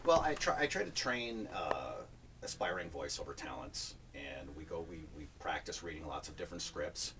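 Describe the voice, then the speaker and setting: A man's voice: very deep voice, lively intonation, moderate pace, background noise. A man who coaches voiceover talent, chatting casually and joking in an interview. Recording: distant mic with faint ambience.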